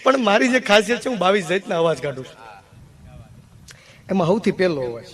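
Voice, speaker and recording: A young man, working a stage with chatty folk stories. His voice sits high and bright, and he keeps slipping into other characters' voices and laughing along. Faint music runs underneath. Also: sing-song, a little fast. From Gujarat, India. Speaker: stand-up comedian and mimic. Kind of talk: folk stand-up storytelling before an audience.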